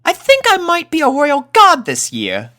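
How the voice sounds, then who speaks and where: A man voicing young boy pony colts in a storybook reading, with a high child voice and expressive, uneasy chatter. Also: normal speed, full character voice. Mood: casual chatter. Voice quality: high-pitched put-on child voice.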